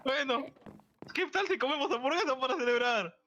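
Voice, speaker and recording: High pitch, theatrical swings in intonation, roleplay chatter, dull lo-fi mic, faint noise. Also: lively intonation, a little fast, pushed and bright. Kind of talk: improvised Minecraft roleplay chatter. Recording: dull, slightly noisy gaming mic.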